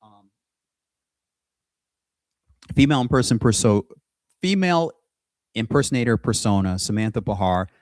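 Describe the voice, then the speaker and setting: A middle-aged man talking to camera in a casual monologue, halting often with restarts and pauses while he shares his screen. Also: mid-range voice, very animated, darkish tone, no echo. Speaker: aspiring singer and video host. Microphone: computer mic with screen sharing.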